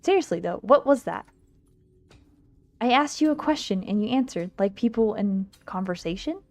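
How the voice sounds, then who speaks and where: Woman VTuber, mid pitch, expressive livestream read-aloud of a visual novel, giggly asides, game music underneath. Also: moderate pace. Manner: giggly, expressive, stumbles while reading aloud. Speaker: streamer, VTuber.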